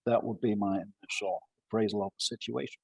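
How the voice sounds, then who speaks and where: A man with a husky voice giving assertive, analytical commentary on an academic panel. The sound is dry and close. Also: on the low side, fairly even intonation, fast talker, darkish tone, dry recording, rough recording.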